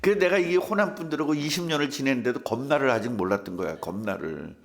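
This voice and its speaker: A man's voice: mid-range voice, animated, quick pace, slight background noise. An older man, a pastor, preaching a humorous sermon in a church and acting out the voices of the people in his stories. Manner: humorous storytelling, acts out quoted voices.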